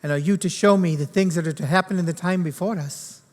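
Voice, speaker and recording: A man's voice: high-pitched, fast talker, lightly acted. A man playing the old miser Scrooge, live on stage in a musical. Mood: fearful. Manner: pleading, then wondering and gleeful. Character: old miserly man, softening into a joyful one. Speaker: stage actor. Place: theatre stage. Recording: hall reverb with pit music.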